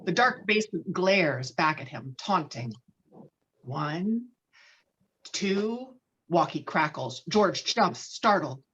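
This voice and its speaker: A woman's voice: lowish voice, animated, slow pace, fairly bright tone, slight background noise. Woman narrator, slightly dull recording. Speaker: narrator reading stage directions. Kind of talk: dramatic scripted narration.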